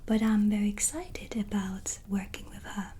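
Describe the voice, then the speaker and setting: A woman playing a gentle, kindly white witch in a soft-spoken ASMR roleplay, breathy and near a whisper, with a hesitant, soothing manner. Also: mid-range voice, normal speed, slight background noise, close to an everyday voice. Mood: calm, musing. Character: gentle, unhurried white witch, kindly tarot reader and hostess. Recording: soft music behind. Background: relaxing music and ambience.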